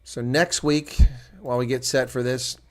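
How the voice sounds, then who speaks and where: An American man calls a rugby match live on his own, giving play-by-play and reactions while chatting with viewers. His mid-range voice has little pitch movement and a moderate pace.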